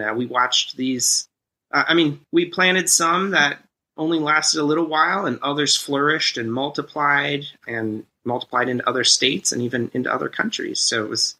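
A man, a church-planting guest, explaining his work in a steady storytelling way with some "uh" fillers. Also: medium pitch, poor audio. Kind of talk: casual interview chat.

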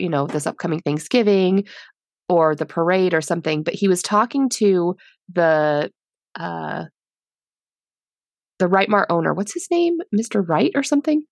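A woman's voice: fairly low pitch, no room sound, studio quality. A woman co-hosting a podcast, chatting casually about a movie with lots of fillers and giggles. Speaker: podcast co-host. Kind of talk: casual movie review chat.

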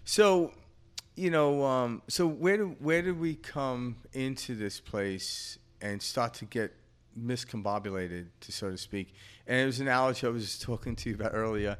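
A man's voice: mid-range voice, normal speed, clean tone. A man in his fifties co-hosting a podcast, talking in a rambling, reflective way with lots of fillers and easy laughter. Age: 50s. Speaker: podcast co-host. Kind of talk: casual spiritual chat.

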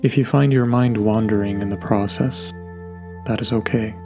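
A man guiding a meditation in a gentle, unhurried way, leaving long pauses between instructions. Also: on the low side, fairly even intonation. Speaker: meditation guide. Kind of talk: guided meditation narration. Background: soft background music.

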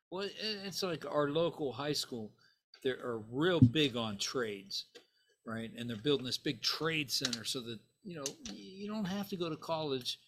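A man's voice: mid-range voice, a bit bright. Older man with Italian roots, rambling. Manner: rambling, tag questions like "right?" and "you know". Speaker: bassist guest. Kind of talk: casual interview storytelling.

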